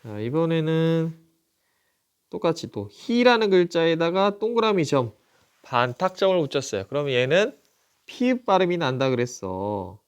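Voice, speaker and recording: A middle-aged male teacher giving a recorded lesson, patiently asking questions and then answering them himself, repeating each syllable slowly and clearly. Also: a little high, very animated. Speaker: Japanese teacher.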